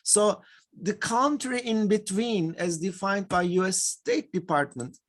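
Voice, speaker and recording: A man's voice: high-pitched, a little slow. A man from Turkey, giving an academic panel presentation over a video call, with frequent fillers and restarts. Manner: hesitant, many fillers and repeated words. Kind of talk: conference presentation.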